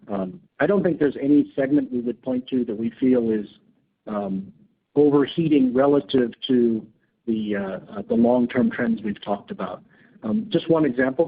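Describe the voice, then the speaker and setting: A man speaking as a company executive, giving unscripted answers on an earnings call in a halting way, often repeating words. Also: high-pitched, vocal fry, husky, phone-quality sound. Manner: halting, hedged, word-repeating delivery. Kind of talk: unscripted answers to analyst questions. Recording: thin band-limited conference call line.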